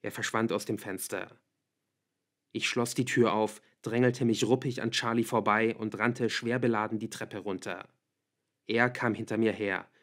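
A man's voice: on the low side, steady tone, moderate pace, fairly bright tone. Man reading an audiobook evenly. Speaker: audiobook reader. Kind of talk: audiobook narration.

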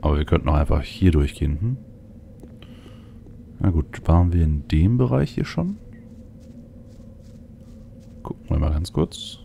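A man's voice: very deep voice, lively intonation, a little slow, gravelly, pauses often, mellow, a little hiss or hum. A man giving casual video game commentary as a let's play host, thinking aloud as he goes. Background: faint game ambience.

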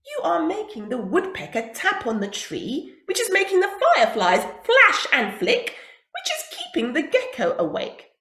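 A woman's voice: sits high, huge pitch swings, moderate pace, fairly bright tone, voice pushed up, exaggerated voice. A woman voicing a sleepy, exasperated male tiger in a bedtime story. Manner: exasperated, emphatic pleading. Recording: roomy echo.

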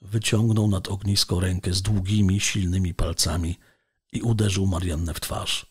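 Mężczyzna czytający powieść jako lektor audiobooka, miarowo i spokojnie. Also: male voice, low-pitched, fairly even intonation, normal speed, breathy edge. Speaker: audiobook narrator. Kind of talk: scripted narration of a novel.

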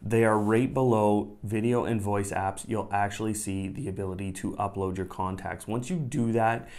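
Low-pitched man explaining steps. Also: steady tone, moderate pace, darkish tone. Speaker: tech tutorial host. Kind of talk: step-by-step tutorial, conversational. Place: small indoor room at a desk.

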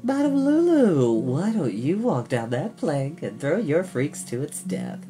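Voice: medium pitch, huge pitch swings, a little slow, soft background music, voice pushed down. A narrator voicing a scheming storybook villainess who speaks with false sweetness and a snarling edge.

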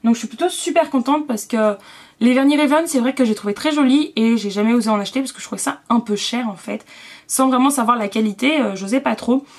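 Chatty young woman doing a haul vid, slightly high voice, lots of ums. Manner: chatty, filler-heavy, quick asides. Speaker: beauty vlogger. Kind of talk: casual haul chat.

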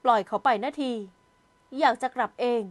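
A stern, icy young man who gives curt commands and never softens, as a woman reader voices him. His lines come out clipped and cold, in a high-pitched voice. He is a figure from a spoken romance novel. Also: normal speed, no room sound, close to an everyday voice.

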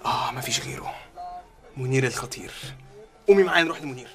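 Rapid-talking impulsive husband. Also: male voice, mid-range voice. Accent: Egyptian. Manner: rapid, swings from shouting to muttering. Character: impulsive husband in a comedy film.

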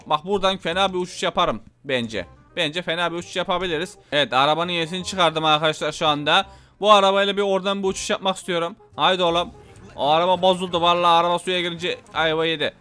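A man giving excitable, casual commentary over his own gameplay as a gaming YouTuber. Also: high voice, smooth. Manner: excitable, exclaiming.

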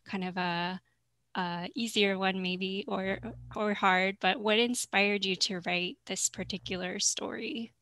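Woman host, headset on video call; bright, smooth voice, friendly and chatty. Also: mid-range voice, fairly even intonation. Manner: friendly, quick, chatty with ums. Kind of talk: hosting a video-call author talk.

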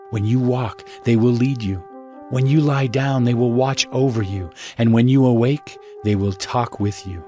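Male narrator, solemn, fatherly, mid-pitched, dramatized scripture reading, faint music. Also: darkish tone.

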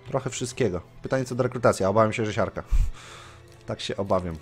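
A man's voice: lowish voice, quick pace, faint music behind. A man hosting a let's play, commenting casually on his gameplay and swearing offhandedly. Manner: chatty, swears casually, reads game story aloud.

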